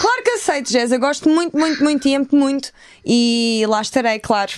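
An animated woman's voice at a fairly quick pace, full of lively intonation. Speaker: podcast co-host. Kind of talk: casual chat. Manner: animated, laughing often.

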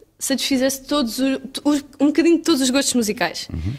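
Her pitch is high, and this woman's voice varies in pitch in an ordinary way. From Portugal, Almada (south bank of Lisbon). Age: young (18). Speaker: singer-songwriter and music student. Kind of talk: interview. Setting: studio with audience.

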